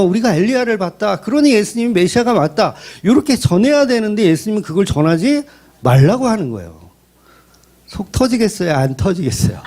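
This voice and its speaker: A male pastor preaching a sermon in an animated way, asking his listeners rhetorical questions and acting out quoted voices. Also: sits high. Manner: asks the congregation rhetorical questions.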